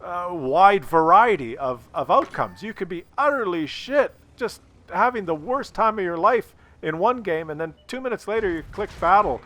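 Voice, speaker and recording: A man's voice: high-pitched, lively intonation, normal speed, few pauses, sharp tone. A man talking casually to his viewers, blunt and opinionated, swearing freely, while losing his voice from a cold. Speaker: gaming video creator.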